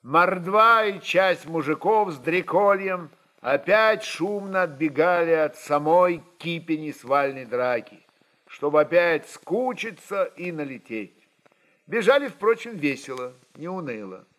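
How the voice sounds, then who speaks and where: A man's voice: a little high, lively intonation, unhurried, a bit bright. A man narrating a literary historical story in a dramatic audiobook style.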